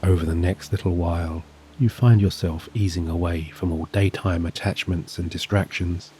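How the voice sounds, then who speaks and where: A man narrating a scripted guided sleep hypnosis in a soothing, gentle, measured voice with long pauses. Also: low-pitched, fairly even intonation, slight background noise. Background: soft relaxing music and gentle waves.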